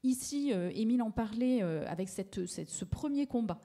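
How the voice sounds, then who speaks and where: A woman's voice: a little high, expressive, moderate pace, mellow. A woman giving a public lecture on paintings, talking through slides with many fillers and restarts. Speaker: art historian lecturer.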